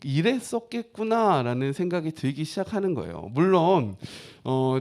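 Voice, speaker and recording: Pastor, man, 30s, from Korea; lively, fairly high sermon voice, dramatizes inner monologue. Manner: animated, acts out inner thoughts in quotes.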